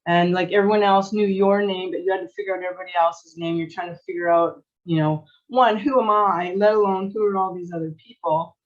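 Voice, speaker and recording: A middle-aged woman from Canada, a coach and former athlete, telling her story in a lively, chatty way with frequent laughs and restarts. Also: fairly low pitch, brisk, hardly any pauses, highs cut off. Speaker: guest, sport psychology coach. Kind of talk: casual interview storytelling.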